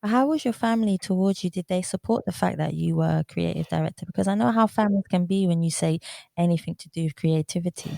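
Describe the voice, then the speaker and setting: A woman's voice: on the low side, fast, creaky, dark tone, dry recording. A woman hosting a podcast interview, earnest and effusive as she asks her guest questions. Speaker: podcast host.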